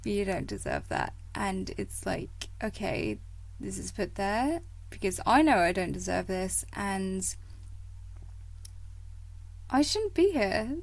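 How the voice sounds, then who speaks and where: Slow, gravelly-voiced woman podcast host. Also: medium pitch, no room sound. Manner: chatty and rambling, many fillers and laughs. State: croaky from a coming cold. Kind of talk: casual motivational podcast monologue.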